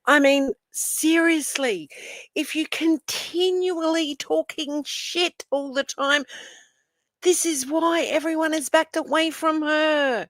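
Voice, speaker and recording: A woman's voice: sits high, fairly even intonation, takes it slowly, a bit bright, no room sound, poor audio. A woman hosting a live stream, talking to her chat in a sarcastic, mocking way with theatrical gasps.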